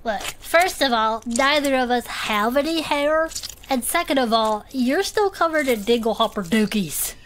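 Woman doing a high sweet shell-backed creature. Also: lively intonation, normal speed, fairly bright tone, slight background noise. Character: cheerful gentle creature with a shell garden. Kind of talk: audio drama comedy.

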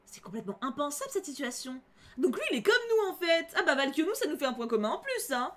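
A bubbly young woman streams a story game, reading its text aloud and chatting to her viewers in between. Her voice is high and chatty, and she gushes easily. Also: sing-song, quick pace. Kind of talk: live gameplay chat and reading aloud.

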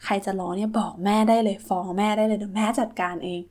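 A woman's voice: mid-range voice, little pitch movement, fast, a little mellow, close to an everyday voice. A woman voicing a caring, reassuring mother in a children's toy story, coaxing and soothing. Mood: soothing, encouraging.

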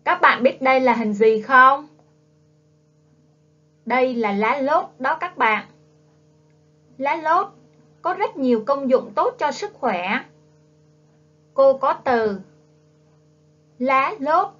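Slow-spoken woman teacher, lo-fi sound. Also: high voice, animated, fairly bright tone. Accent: Southern Vietnamese. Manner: coaxing, prompts children to repeat. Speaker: primary school teacher. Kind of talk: slow, drawn-out phonics lesson for young children. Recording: dull lo-fi classroom video audio.

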